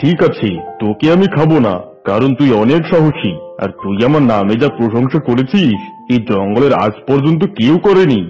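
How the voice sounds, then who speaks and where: A man plays a proud male tiger, king of the forest, in a children's cartoon. His pitch is medium for a man. The sound is slightly dull, over faint music. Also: lively intonation, moderate pace, a little mellow, lightly acted. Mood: flattered, approving.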